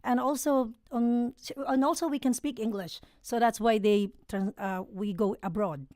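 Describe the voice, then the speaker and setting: A woman with a Filipino accent chats as a guest, her voice a bit high and bright-toned. She speaks in warm, halting English, laughs easily, and sits close to a dry, deadened mic. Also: no echo. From Philippines. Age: adult, sang professionally since eighteen. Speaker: guest singer. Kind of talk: casual interview chat. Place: podcast studio.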